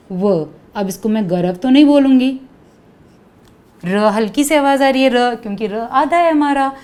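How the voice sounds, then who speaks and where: Patient woman teaching kids slowly. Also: mid-range voice, darkish tone. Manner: patient, repeats words slowly for children. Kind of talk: children's grammar lesson.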